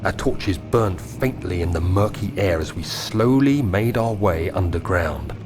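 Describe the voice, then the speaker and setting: An actor with an English accent playing an earnest, anxious young gentleman explorer in a video game, with measured, literate diction. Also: low voice. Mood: troubled, uneasy. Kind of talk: dramatic diary narration in a video game. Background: music.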